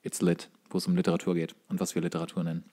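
A man's voice: deep voice, completely flat delivery, very fast, dark tone. A man, co-hosting a comedy podcast with wry, opinionated banter and wordplay. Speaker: podcast co-host. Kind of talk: casual comic banter.

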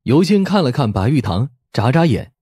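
A man's voice: medium pitch, sing-song, moderate pace, dark tone, slightly rough, dry recording, clean studio sound. A man reading scripted story narration expressively, as an audiobook narrator.

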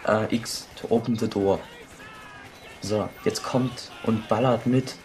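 A young man giving crude, excitable commentary while playing a shooter, swearing and shouting at enemies. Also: lowish voice, slow, slight background noise. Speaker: let's play gamer. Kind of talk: casual gameplay commentary.

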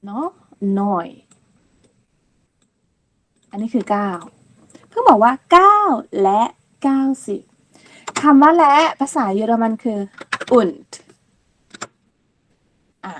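Very slow, patient woman teaching. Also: on the high side, expressive, slight background noise. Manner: patient, repeats words slowly and clearly; polite, ends phrases with soft particles. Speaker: language teacher. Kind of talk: slow step-by-step counting lesson.

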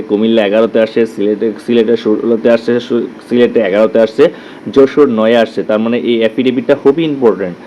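A man with a Bangladeshi Bengali accent leads an exam-prep lesson at an even, middling pitch. He drills each term, says the words slowly more than once and keeps checking that students follow. A faint hiss sits under his voice. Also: lo-fi sound. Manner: drills terms, repeats words slowly, asks "clear?". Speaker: teacher.

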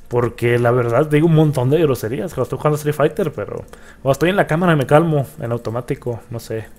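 A young man giving excitable let's play commentary, cursing and yelping at the game as he plays. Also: medium pitch. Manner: excitable, swears and yelps at the game. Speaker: gaming YouTuber.

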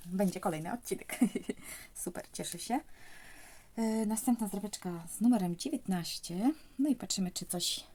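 Young woman, hushed casual commentary, mellow dark tone. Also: mid-range voice, moderate pace. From Poland. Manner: speaks softly, often near a whisper. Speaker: vlogger scratching lottery tickets.

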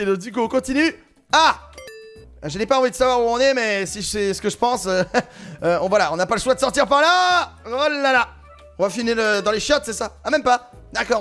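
A man with a French accent giving excited gameplay commentary, exclaiming and laughing often as he plays. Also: very high-pitched. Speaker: gaming YouTuber.

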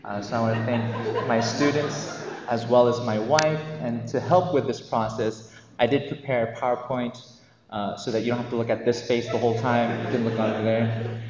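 A man's voice: medium pitch, steady tone, moderate pace, a crowd in the background. A man in his thirties giving a commencement speech as a teacher at a podium mic in a large hall, hesitant and nervous with many ums. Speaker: commencement speaker, math teacher. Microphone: podium microphone. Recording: echoey hall, dull lo-fi sound.

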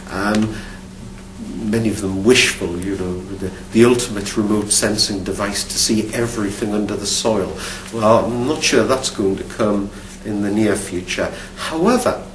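A middle-aged Geordie man speaks in a lowish voice, answering interview questions about his field with thoughtful pauses and repeated false starts. He sits in a studio with a dark backdrop, caught by a mic set some distance away. The sound is roomy and carries a faint hum. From Newcastle upon Tyne, England. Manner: thoughtful, many restarts and repeated words. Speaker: archaeology professor.

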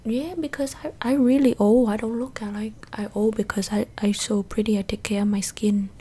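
A woman's voice: medium pitch, steady tone, normal speed, dark tone, husky, natural voice. A young woman in a whispered role-play, voicing a blunt, boastful makeup doctor with a put-on Asian accent and broken English. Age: young adult. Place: small bedroom indoors. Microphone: close desktop microphone with foam cover.

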